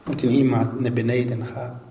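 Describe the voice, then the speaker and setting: A man preaching an emotional personal testimony, slow and halting, moving between hushed words and loud pleading. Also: mid-range voice, little pitch movement, gravelly, slight background noise. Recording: echoey hall with long reverb.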